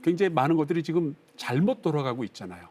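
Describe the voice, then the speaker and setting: A male pastor teaching a Bible class on broadcast, reading scripture aloud and explaining it in a lively, conversational way. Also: a little high, very fast. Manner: reads scripture aloud, acts out drunk voices playfully.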